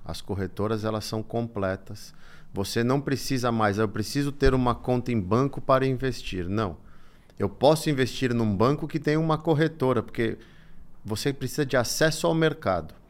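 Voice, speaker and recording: A man's ordinary speaking voice at medium pitch, with lively intonation and a moderate pace. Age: 40s. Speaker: investment expert. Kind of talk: casual chat. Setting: studio.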